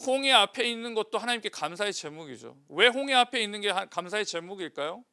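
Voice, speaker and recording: A man's voice: high-pitched, animated, quick pace, bright, forceful tone, smooth. A male pastor preaching a sermon, putting questions to the congregation and answering them himself.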